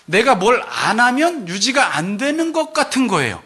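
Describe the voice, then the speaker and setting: A man preaching from the pulpit with a high, bright, lively voice that swoops up and down. He is animated and often drops into little acted-out voices of churchgoers to make his point. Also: moderate pace, breathy edge. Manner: animated, acts out congregants' voices in quotes. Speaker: pastor. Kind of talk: sermon.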